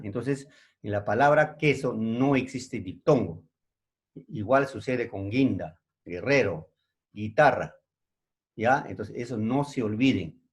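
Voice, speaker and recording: A man with a lowish voice gives a school language lesson at a very unhurried pace. He repeats his points and keeps asking his students whether they follow. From Peru. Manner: slow, repeats points and checks in with "¿ya?". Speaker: teacher.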